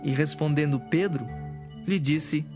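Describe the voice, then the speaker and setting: A man narrating scripture from a script in a measured, solemn manner. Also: a little high. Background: music.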